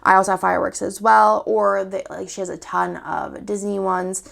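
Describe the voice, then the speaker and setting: Upbeat young woman, sniffly cold, gravelly fry, medium pitch, casual shop-owner vlog. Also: steady tone, moderate pace, a bit bright. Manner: chatty, upbeat, walks through items one by one. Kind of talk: casual product showcase.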